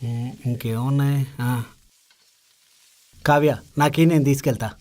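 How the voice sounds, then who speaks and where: A man's voice: medium pitch, fairly even intonation, measured pace, natural voice. An actor playing a short-tempered young husband in a short film, chatting at dinner, then snapping at his wife. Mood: casual. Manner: casual at the table, then shouting in irritation.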